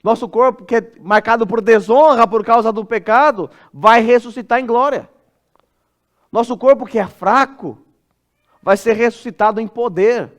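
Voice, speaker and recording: Brazilian pastor guy preaching in church, fairly high voice, expressive, goes quiet and soft when he plays the parent. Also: normal speed. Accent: Brazilian Portuguese. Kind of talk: expository sermon.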